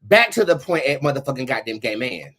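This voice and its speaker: A man's voice: medium pitch, very animated, fairly quick, a bit bright, breathy edge. A man hosting an online show, giving a blunt, profane, campy motivational monologue with emphatic repetition. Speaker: show host, tarot reader and spiritual coach.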